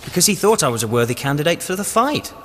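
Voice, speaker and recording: An actor playing a genial, courteous rebel fighter with earnest conviction in an echoing audio drama. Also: male voice, a little high, very animated, quick pace, a bit bright. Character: genial, committed male rebel fighter, old friend. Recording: long echo, faint ambient noise.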